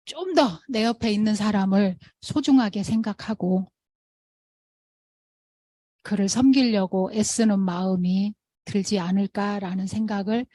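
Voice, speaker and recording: A woman giving a motivational storytelling talk at a sales meeting, acting out the people she quotes in a raised, animated voice. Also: mid-range voice, no room sound.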